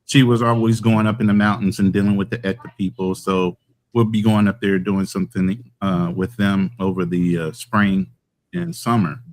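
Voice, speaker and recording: A man's voice: deep voice, normal speed. An American man living abroad, chatting casually and telling stories, sometimes acting out quoted voices. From United States. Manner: relaxed storyteller, acts out quoted voices. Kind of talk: casual video-call chat. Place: abroad in the mountains.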